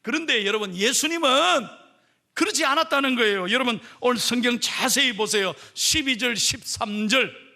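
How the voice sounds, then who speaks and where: A man's voice: extremely high pitch, moderate pace, sharp tone. A man preaching a sermon as pastor, emphatic, leading the congregation in reading aloud.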